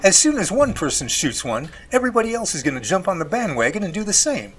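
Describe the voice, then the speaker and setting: A man playing an excitable, folksy guy who exclaims and talks to himself in homespun slang in an audio drama. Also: sits high, fast. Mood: worried. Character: excitable, folksy man named Jerry, indignant Bigfoot defender. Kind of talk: hobby audio drama acting.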